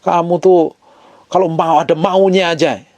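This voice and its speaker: Lively man preaching with a mellow voice. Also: on the high side, normal speed, no room sound. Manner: lively, playful preaching with acted-out quotes and rhetorical questions. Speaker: pastor. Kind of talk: sermon.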